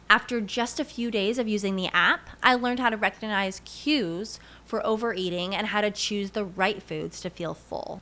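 A woman's voice: medium pitch, fairly bright tone. A woman doing scripted voice-over narration for an advertisement.

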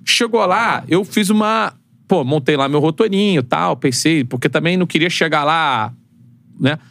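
A man's voice: fairly high pitch, creaky. A man in his thirties with a Brazilian Portuguese accent, a football commentator telling stories as a guest in a casual podcast chat. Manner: fast, animated storytelling with slang.

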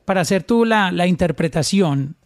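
A man's voice: high voice, animated, normal speed, no echo, clean studio sound. A man from Colombia with a paisa accent, interviewing in a casual, chatty way and often repeating words as he starts a phrase.

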